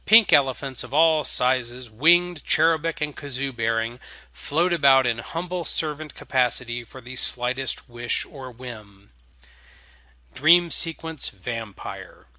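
A man narrates a written story with theatrical flair. His voice is very sharp and bright at a medium pitch, and the sound is dry and close. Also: measured pace, dry recording.

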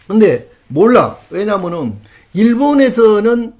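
Man, gravelly voice, reads old texts aloud, incredulous commentary, fairly high pitch. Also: very animated. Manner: incredulous, argumentative, quick rises to loud emphasis. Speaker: history channel host.

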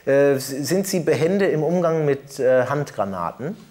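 A man using a disguised deep voice to play a deadpan male hotline operator on a prank phone call, slow and hesitant with many fillers. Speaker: TV show host posing as ticket hotline operator.

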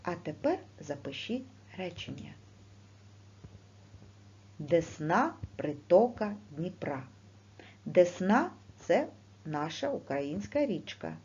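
Slow, lively-voiced woman teaching a lesson. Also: on the low side. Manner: slow, clear teacher's delivery with lively rising questions. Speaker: primary school teacher. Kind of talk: recorded classroom lesson. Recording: dull lo-fi recording.

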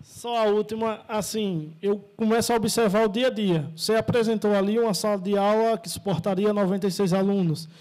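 A man's voice: sits high, steady tone, brisk, few pauses, a little mellow, poor audio. A man asking the speaker a short question from the floor.

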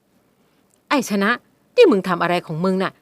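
A woman's voice: mid-range voice, very animated, moderate pace, dry recording, lightly acted. A woman voicing a harsh, drunken middle-aged mother who berates her daughter in coarse words. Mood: scolding. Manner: scolding, coarse, contemptuous.

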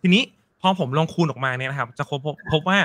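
A man's voice: a little high, fast, a bit bright, no echo. A man hosting a casual investment interview, chatty and polite, with a lot of filler particles. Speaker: interview host.

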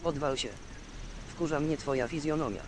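Man playing a gruff, taunting old game pirate. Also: a little high, normal speed, natural voice. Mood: surly, contemptuous. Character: cocky, threatening old pirate who bullies villagers. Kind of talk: dubbed fantasy video game acting. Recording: game audio with clear ambient noise.

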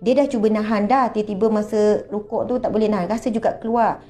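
A middle-aged woman with a Malaysian Malay accent gives a lively, conversational religious lecture full of rhetorical questions. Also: medium pitch, fast, soft background music. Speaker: religious teacher.

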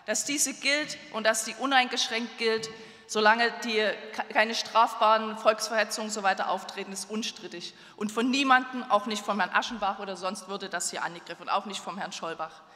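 A woman's voice: medium pitch, fairly even intonation, brisk, pushed and bright. A woman in her forties, a city councillor, making a direct, firm speech at a lectern microphone in a large council hall. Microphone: lectern gooseneck microphone. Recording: roomy hall with long reverb.

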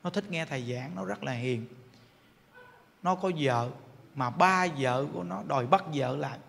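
A man voicing a poor elderly mother who pleads softly for her gentle son, in a Southern Vietnamese accent. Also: medium pitch, normal speed, vocal fry, big-room sound, voice pushed down. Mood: pleading.

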